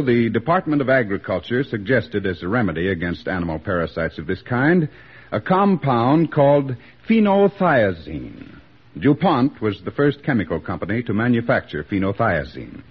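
Husky-toned man reading a 1940s radio commercial. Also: medium pitch. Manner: measured, formal, explanatory. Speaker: sponsor's spokesman. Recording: muffled 1940s radio broadcast.

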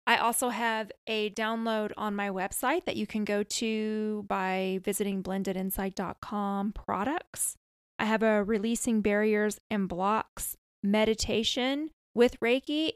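Calm woman podcaster, close and dry. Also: mid-range voice, a little slow, clear, resonant tone, dry recording. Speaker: podcast host and energy healer. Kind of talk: podcast talk and guided healing.

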